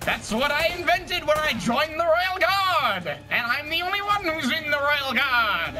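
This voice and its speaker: Using a put-on character voice with a high pitch, the speaker goes at a moderate pace over clear background noise. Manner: loud, boastful, goofy.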